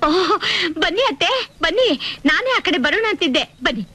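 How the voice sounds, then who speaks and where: An actress playing a chatty, welcoming village housewife. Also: female voice, very high voice, expressive, moderate pace, sharp tone, soft background music, full character voice.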